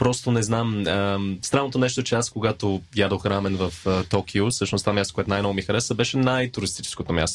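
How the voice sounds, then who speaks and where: Fairly even intonation accompanies a fairly quick pace. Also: man. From outside Bulgaria. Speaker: journalist and documentary maker. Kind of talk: casual chat.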